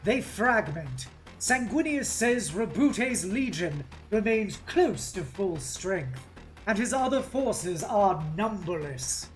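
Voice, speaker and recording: Woman voicing a grave, slow-speaking male warrior commander. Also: mid-range voice, poor audio. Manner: solemn, deliberate, declamatory. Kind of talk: dramatic novel read-aloud.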